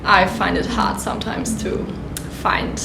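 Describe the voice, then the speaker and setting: A young woman from Austria talks through her reasons for studying abroad, pausing often with ums and likes. Her voice sits at a middle pitch. The room is echoey, with a clear hiss of noise behind her. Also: steady tone. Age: 20s. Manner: hesitant, many ums and likes. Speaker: exchange student. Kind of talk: casual interview answers.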